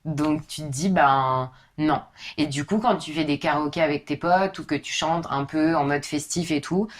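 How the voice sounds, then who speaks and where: A young woman with a low, husky voice, chatting casually as a podcast guest and filling her talk with informal asides. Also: normal speed. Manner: chatty, informal, many fillers.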